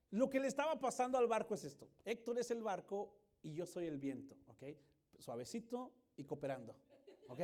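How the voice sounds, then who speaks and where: A male pastor giving a lively sermon in a church, joking with the congregation and acting out scenes. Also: high-pitched. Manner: animated, jokes with the congregation, acts out voices and screams. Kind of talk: lively sermon with acted-out anecdotes.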